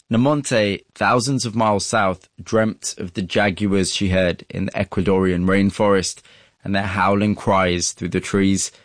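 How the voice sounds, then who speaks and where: A man hosting and narrating, telling the story in a measured way and asking interview questions in a studio. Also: on the low side, dry recording. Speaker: host and narrator. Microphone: studio mic.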